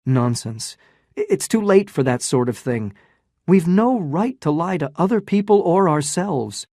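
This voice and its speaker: A torn, earnest young man from a storybook speaks urgently and insistently, read by a man. His pace is slow and his tone mellow. The recording is dry and close. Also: fairly high pitch, expressive, no echo, voice pushed up. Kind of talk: dramatized story reading.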